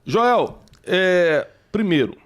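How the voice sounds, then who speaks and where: A man hosting a talk show, animated and preachy, often bringing in scripture. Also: high-pitched, extremely slow. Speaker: podcast host. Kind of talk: casual chat.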